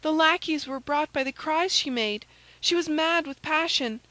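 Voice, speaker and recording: An anxious young servant girl from a storybook, acted by a woman narrator. Her voice sits high and pleads, frightened and devoted, with a dry, close sound. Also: normal speed, bright, forceful tone, no echo. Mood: breathless, upset. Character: frightened, lovestruck young French maid.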